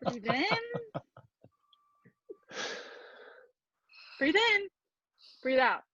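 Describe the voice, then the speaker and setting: An actress playing an encouraging, bossy best friend in a comedy sketch, coaxing and emphatic. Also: female voice, high voice, very animated, unhurried, fairly bright tone, husky, no echo, lo-fi sound, heavily acted. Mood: soothing, coaching. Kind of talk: virtual staged comedy sketch reading.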